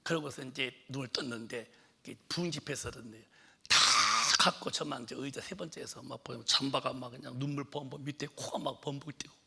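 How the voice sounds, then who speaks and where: Middle-aged male pastor, sermon storyteller, bright gravelly husky voice, swings from whispers to shouted quotes. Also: medium pitch, steady tone, a little fast. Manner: storytelling, acts out shouting mother, drops to whispers.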